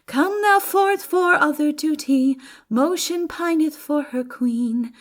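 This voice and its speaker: A woman performing a lovelorn young man in an audiobook, singing slow, drawn-out verse with melodic yearning. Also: high-pitched, voice pushed up. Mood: gentle pleading.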